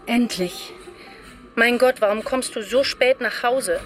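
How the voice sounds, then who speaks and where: A woman's voice: a little high, slow pace, music in the background. Brooding, anxious woman writer. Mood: anxious, desperate. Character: anxious, brooding woman writer in love, confessing inner thoughts. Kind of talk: literary radio drama, first-person inner monologue and dialogue.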